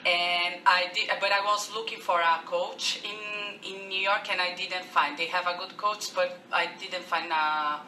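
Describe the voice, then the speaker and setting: A young woman from Brazil with a Brazilian accent, speaking careful, halting English with many restarts as a guest on a radio interview. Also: lowish voice, steady tone, bright, forceful tone, reverberant, recorded from a distance, slight background noise, poor audio. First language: Portuguese. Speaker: guest, fencer.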